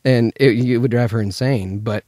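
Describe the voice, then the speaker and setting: A voice actor from Memphis in the United States teaches character voices in a casual instructional chat, sharing anecdotes. His voice is medium-pitched and mellow, his pace moderate, and the studio-quality recording has no echo.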